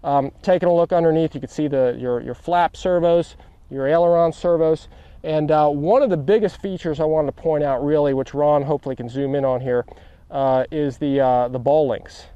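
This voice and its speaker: This middle-aged model aircraft reviewer and pilot stands on a grassy field, presenting his plane and narrating its flight in an eager, filler-packed way, addressing viewers directly. His pitch is fairly high and his pace normal, with a warm, clear, resonant tone. The recording is dry and the highs are cut off.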